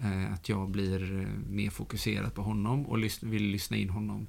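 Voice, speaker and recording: A man talks at a fairly slow pace and a fairly low pitch. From western Sweden, Gothenburg area. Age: 40s. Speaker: pastor. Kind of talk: podcast interview. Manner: halting.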